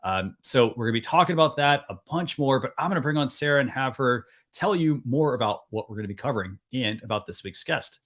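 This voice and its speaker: A man hosting an online talk show, welcoming guests in a relaxed, conversational way. He rambles a little, filling pauses with casual asides. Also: medium pitch. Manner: friendly, loose, many fillers.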